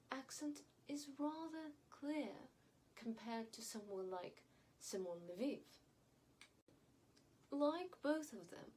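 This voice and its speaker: A woman's voice: sits high, darkish tone, low-quality recording. A woman from Yemen, an English speaker, gives opinionated commentary to viewers with careful, emphatic elocution. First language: not English (English is her fourth language). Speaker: online commentator. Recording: clear background noise.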